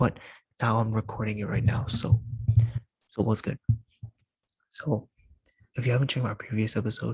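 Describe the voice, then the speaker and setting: Soft-spoken and medium-pitched, a man talks with vocal fry in a dry, close sound with no echo. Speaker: sports podcast host. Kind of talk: solo podcast commentary. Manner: quiet, soft-spoken.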